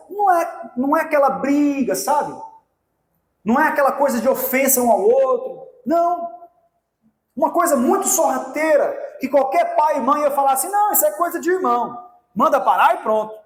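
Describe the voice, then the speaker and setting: A Brazilian pastor in his thirties preaches with passion, calling out directly to the men and women in the pews. His voice sits high for a man. It rings with the echo of a church hall. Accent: Brazilian Portuguese. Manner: impassioned preaching, direct appeals to the congregation. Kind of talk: sermon. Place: church sanctuary.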